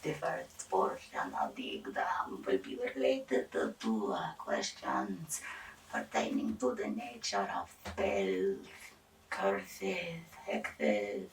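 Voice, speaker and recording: A woman playing an eccentric female doctor in an ASMR roleplay, halting and formal, breathy and often near a whisper. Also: very deep voice, sing-song, distant mic, slight background noise, full character voice, rough recording. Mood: clinical, solemn. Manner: halting, hesitant, formal clinical phrasing with odd asides. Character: eccentric female doctor examining a patient for monster afflictions. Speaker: ASMR performer. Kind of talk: ASMR roleplay, intimate questioning.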